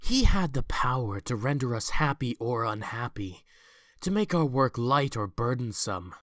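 Man acting anguished Seto Kaiba, swooping pitch. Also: big pitch swings, measured pace, a bit bright, no room sound, studio quality. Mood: earnest. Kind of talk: fan audio drama acting.

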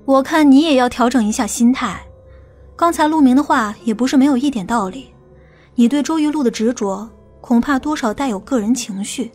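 A woman's voice: high voice, fairly quick, a little mellow, breathy edge, soft background music. A woman playing a stern, impatient police detective in an audiobook drama.

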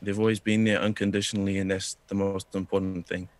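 A man's voice: deep voice, flat delivery, quick pace, dry recording. A young man from New Zealand on a video call, answering politely and earnestly, calling the host sir. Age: young adult. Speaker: interviewee. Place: indoor room.

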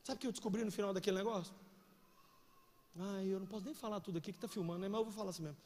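A Brazilian man preaching a sermon, telling stories with animated swings between shouts and hushed asides. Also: high voice, racing. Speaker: pastor. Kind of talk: sermon with storytelling. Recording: echoey hall with faint noise.

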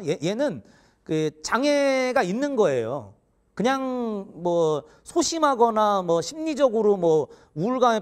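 A man in his forties, a teacher, telling a funny story in an animated way and often laughing mid-sentence. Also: high voice. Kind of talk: humorous storytelling lecture.

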